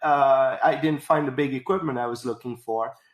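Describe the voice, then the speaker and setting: With a French accent, a man speaks at a moderate pace. His pitch is medium and his intonation fairly even. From France, south of Paris. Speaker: farmer. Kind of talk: interview. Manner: halting, many fillers.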